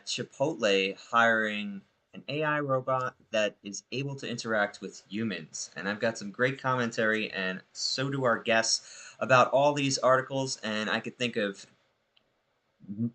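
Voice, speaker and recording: Bright enthusiastic male co-host. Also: mid-range voice. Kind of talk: casual panel chat.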